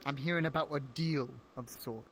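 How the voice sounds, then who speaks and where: A man's voice: mid-range voice, normal speed, a bit bright, a little hiss or hum. A man playing a distrustful, indignant town survivor in an improvised fantasy roleplay, theatrical and accusatory. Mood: exasperated.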